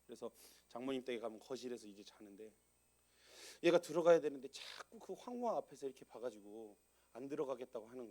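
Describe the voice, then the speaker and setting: A pastor in his thirties preaching a sermon in a lively, conversational storytelling manner. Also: medium pitch.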